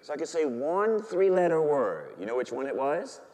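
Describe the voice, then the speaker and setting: A middle-aged man, a priest, preaching and telling a story with great feeling, dropping to a hush and rising to high excited tones. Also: normal speed. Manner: animated storytelling, swings from hushed to high excited voice. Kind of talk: sermon. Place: church. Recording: reverberant church hall.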